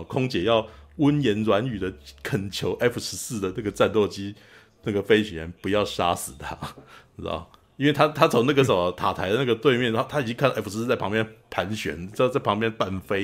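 A man's voice: on the low side, fast. A man with a Taiwanese Mandarin accent hosting a podcast, animatedly retelling a film scene in casual chat and tagging his lines with "you know?". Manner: animated retelling, frequent "you know?" tag, laughs often. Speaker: podcast host.

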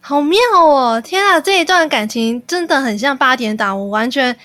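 A woman hosts a call-in podcast, her voice a touch higher than most. She asks short follow-up questions and reacts with exclamations. The recording is dry and close. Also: lively intonation, moderate pace, pushed and bright, no echo. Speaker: podcast host. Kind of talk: call-in radio-style chat.

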